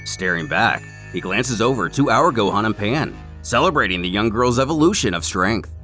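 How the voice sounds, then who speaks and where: Lively male narrator, dramatic recap. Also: fairly low pitch, normal speed, soft background music.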